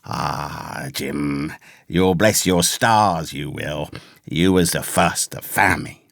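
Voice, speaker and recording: A man voicing a ragged, pious, half-crazed castaway sailor with a hoarse, awkward voice and rambling rustic seaman's talk, in a storybook reading. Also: a bass voice, slow pace, fairly bright tone, dry recording, studio quality, voice pushed down, full character voice. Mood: excited, secretive.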